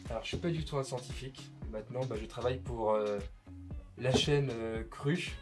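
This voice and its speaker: A young man with a Swiss French accent chatting casually on a blind date, hesitant and full of filler pauses. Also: mid-range voice, music in the background. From Switzerland. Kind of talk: casual chat.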